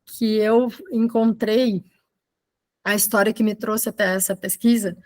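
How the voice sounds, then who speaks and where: Female photojournalist from Argentina, medium pitch, informal online talk, halting conversational delivery. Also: steady tone, darkish tone. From Argentina, living in Brazil. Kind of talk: informal online presentation of own work. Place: video call.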